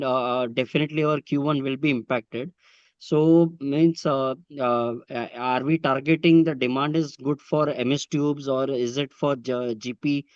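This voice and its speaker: A man with an Indian accent asking questions on a business conference call in a halting, wordy, polite way. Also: on the high side, dry recording. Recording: muffled, lo-fi conference call audio.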